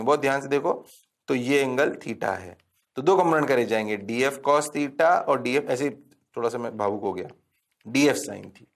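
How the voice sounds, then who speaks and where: A man teaching a physics lecture, playful, chanting formulas and answering himself in a mock student voice. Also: mid-range voice. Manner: sing-song repetition of formulas. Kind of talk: classroom lecture.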